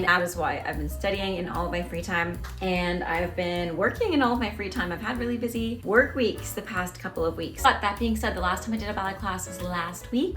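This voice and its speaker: Chatty rambling woman vlogger, mid-pitched. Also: fairly bright tone. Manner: chatty, rambling, self-interrupting. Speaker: vlogger and ballet teacher. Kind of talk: casual vlog chat.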